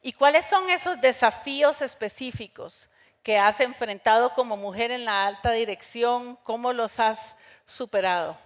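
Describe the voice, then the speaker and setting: A woman's voice: fairly high pitch, normal speed. A woman moderating a live panel discussion, hesitant, with many fillers and restarts. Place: conference stage.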